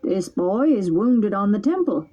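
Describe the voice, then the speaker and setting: A woman's voice: medium pitch, big pitch swings, a little slow, warm tone, slightly rough, muffled recording. A woman voicing a stern male policeman who questions curtly. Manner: curt, questioning.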